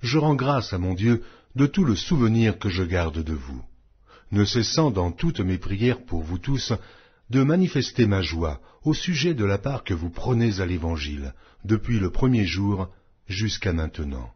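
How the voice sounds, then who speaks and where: A man giving a solemn, scripted audiobook reading of scripture in measured, declamatory phrases. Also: fairly low pitch, animated, slightly rough. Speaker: audiobook Bible reader. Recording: dull, lo-fi audio.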